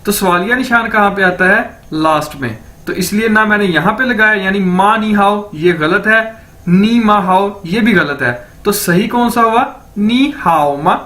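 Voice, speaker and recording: Man, Pakistani Urdu accent, online tutor; high, bright voice; patient, repetitive, keeps checking in. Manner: patient, repeats each word and checks with "ठीक है". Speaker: language teacher. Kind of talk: online language lesson.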